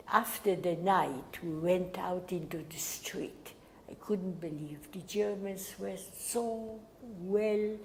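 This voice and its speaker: An elderly woman from Poland, giving Holocaust survivor testimony in a halting, unhurried way that sometimes sinks to a near whisper. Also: mid-range voice, mellow, low-quality recording. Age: older. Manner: slow, halting, drops to a near whisper at times. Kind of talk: recorded oral history interview.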